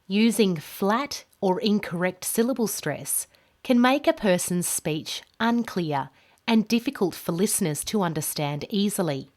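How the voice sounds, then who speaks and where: A woman in her thirties giving a scripted pronunciation lesson, enunciating carefully and deliberately with marked word stress. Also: mid-range voice. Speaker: pronunciation teacher. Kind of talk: instructional lesson to camera, scripted. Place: small indoor studio with plain backdrop.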